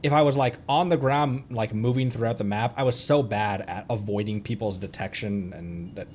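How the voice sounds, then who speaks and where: A man streaming a game, chatting casually in a giggly, rambling, animated way. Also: lowish voice, normal speed, slight background noise. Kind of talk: casual chat while playing a game.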